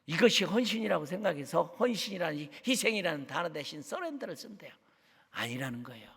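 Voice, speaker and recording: A man preaching a sermon as a guest missionary, fervent, dropping to hushed tones and rising to shouts. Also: fairly high pitch, big pitch swings, fast talker, creaky, slightly rough. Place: church sanctuary. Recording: long church hall reverb.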